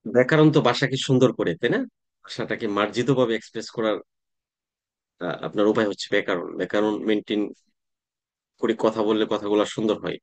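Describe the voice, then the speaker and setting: A man, teaching an online class in a relaxed, conversational way, often pausing to check that students follow. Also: fairly low pitch. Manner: conversational teaching with frequent "তাই না?" check-ins and hesitations. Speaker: tax exam coaching instructor.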